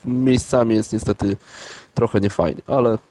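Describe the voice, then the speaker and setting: A man co-hosting a podcast, chatting casually and bantering, quick to correct his co-host. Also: on the low side, fairly even intonation, warm tone, dry recording. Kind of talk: casual chat.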